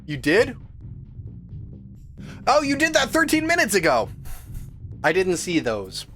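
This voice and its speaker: Playful man with a lively voice. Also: high-pitched, unhurried, faint music behind. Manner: playful, chatty, jokey asides. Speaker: streamer. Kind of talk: casual game stream, reading story aloud.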